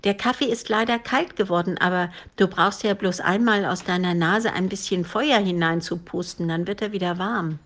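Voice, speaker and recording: Woman putting on a high little girl, brave and cheeky, eager scolding, storybook voice. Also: normal speed, hardly any pauses, a bit bright, lightly acted.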